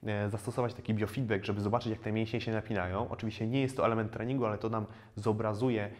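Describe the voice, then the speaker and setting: A man in his thirties, a fitness trainer, calmly explaining core exercises with frequent hesitation fillers, recorded on a lapel mic in a bare indoor studio. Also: lowish voice, quick pace. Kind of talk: instructional exercise video.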